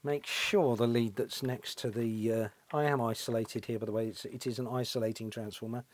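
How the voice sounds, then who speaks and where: British bloke, middle aged, medium pitch, muttering thru a repair job, thinking out loud, casual. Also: male voice, steady tone, a little fast. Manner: musing, thinking aloud with tag questions. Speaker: repair channel host, electronics technician. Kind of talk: casual hands-on workbench commentary. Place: small cluttered indoor electronics workshop.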